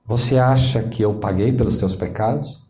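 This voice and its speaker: A man voicing Christ, gently questioning a believer. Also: lowish voice, normal speed, roomy sound, lightly acted. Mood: gentle questioning. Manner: patient, questioning.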